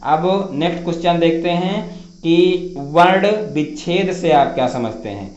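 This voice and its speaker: A man's voice: on the high side, measured pace, darkish tone, slight background noise. A man teaching a grammar lesson, repeating each definition and posing questions he answers himself. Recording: echoey room, dull lo-fi sound.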